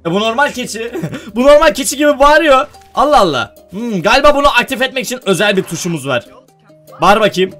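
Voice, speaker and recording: A man with a very high, bouncy voice gives excitable let's-play commentary, talking straight to his viewers and often bursting into loud exclamations. His pitch swings widely from line to line, and faint music plays underneath. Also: quick pace. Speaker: gaming video host.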